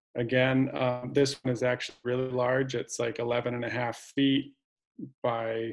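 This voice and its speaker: At a fairly slow pace, a man talks in a flat monotone at a medium pitch, with a quiet background behind him. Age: 40s. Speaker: landscape painter. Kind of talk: presentation. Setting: video call. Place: home room. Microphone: video call.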